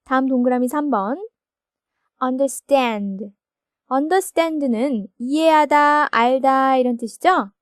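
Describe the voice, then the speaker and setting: Woman teacher explaining grammar real slow, high voice, dry studio sound. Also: dry recording. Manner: slow, explanatory, asks confirming questions. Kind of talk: recorded textbook lesson.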